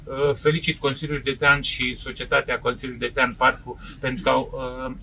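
A man's voice: mid-range voice, little pitch movement, pushed and bright, a little hiss or hum, rough recording. A man giving formal congratulatory remarks at a public event.

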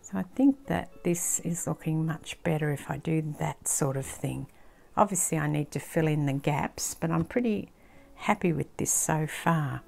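An older woman with an Australian accent, casually thinking aloud as she works on a craft project, sometimes dropping into a soft near-whisper. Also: low voice, normal speed, gravelly. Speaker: craft channel host. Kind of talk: casual craft-along commentary. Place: indoor craft table, filmed from overhead.

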